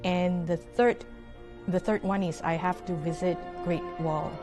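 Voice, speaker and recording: A young woman from Malaysia speaks with a rather low voice. She answers interview questions in a relaxed, thoughtful way, pausing on fillers and restarting words. Soft music plays faintly underneath. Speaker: orchestra horn player, guest.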